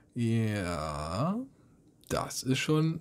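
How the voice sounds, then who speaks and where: His pitch swings very widely. The man's voice is somewhat breathy. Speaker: tabletop gaming YouTuber. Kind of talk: unboxing video. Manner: casual, chatty.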